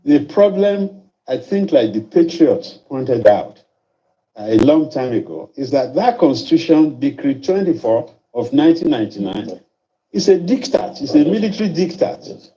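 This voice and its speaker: A man from Nigeria speaking in an interview clip, arguing deliberately with some hesitations. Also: fairly high pitch, very animated, mellow. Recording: dull lo-fi archive clip.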